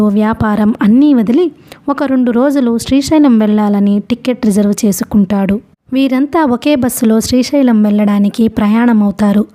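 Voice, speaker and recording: A woman's voice: a little high, mellow. A young adult woman, host of the channel, narrating a novel as an audiobook storyteller and voicing the characters in her own voice.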